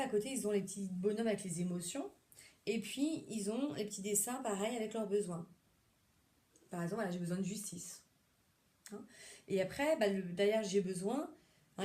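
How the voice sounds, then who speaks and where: Chatty therapist woman, mellow voice. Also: medium pitch. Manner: chatty, rambling, many fillers and restarts. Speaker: psychotherapist. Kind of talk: casual monologue.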